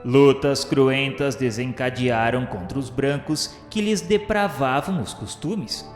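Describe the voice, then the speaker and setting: A man with a Brazilian accent reading a solemn radio drama narration in a measured, grandiloquent way. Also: mid-range voice. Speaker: narrator of a religious radio novela. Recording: reverberant hall echo, music underneath. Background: background music.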